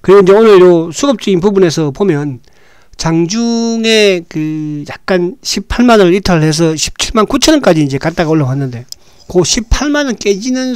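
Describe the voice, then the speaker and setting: Hoarse man giving stock commentary. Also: high-pitched, no echo, studio quality. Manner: talks with frequent "right?" tag questions, halting restarts. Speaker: stock market show host. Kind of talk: casual market commentary.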